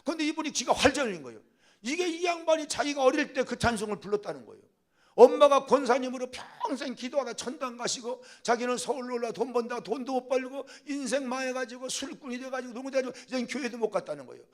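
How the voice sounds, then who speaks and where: An older male pastor delivering a sermon in a high, lifted voice. He preaches with fervor, breaking into loud peaks and calls to his listeners, then drops into a quieter, storytelling tone. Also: expressive, quick pace. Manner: quieter storytelling when recounting a past event. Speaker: senior pastor.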